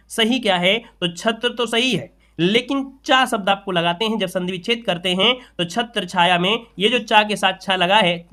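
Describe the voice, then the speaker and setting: A man with a high, bright voice teaches spelling for competitive exams. He goes through word after word, saying each one several times and calling his viewers friends as he corrects their mistakes. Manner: repeats words, addresses viewers as friends. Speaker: exam tutor. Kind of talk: spelling lesson for exam students.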